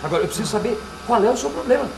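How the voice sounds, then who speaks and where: A man's voice: sits high, big pitch swings, very fast. An actor with a Brazilian Portuguese accent playing a man who soothingly insists he is fine, in a comic TV sketch. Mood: reassuring. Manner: soothing, dismissive of concern. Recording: echoey room with ambient noise.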